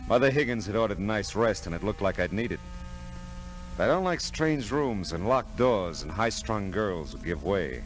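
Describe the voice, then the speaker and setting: A man's voice: lowish voice, lively intonation, normal speed, close to an everyday voice, rough recording. A man playing a world-weary private eye, wry and laconic, in a 1940s radio noir drama. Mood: wry, brooding. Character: hard-boiled, world-weary male private eye narrating his case. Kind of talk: 1940s radio noir acting, first-person narration. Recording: old radio drama recording with music.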